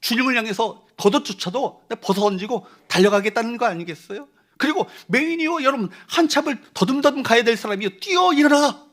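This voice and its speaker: A man's voice: very high-pitched, lively intonation, brisk, a bit bright. A male pastor preaching a Sunday sermon in a church, emphatic and full of rhetorical questions to the congregation. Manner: leads congregation in reading verses aloud. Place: church sanctuary.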